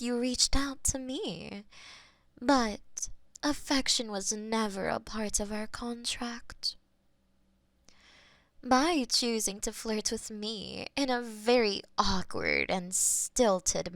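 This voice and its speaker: A woman voicing a possessive, taunting female demon mistress in a scripted audio roleplay, teasing and slipping into soft whispers. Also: medium pitch, no echo. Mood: teasing, commanding.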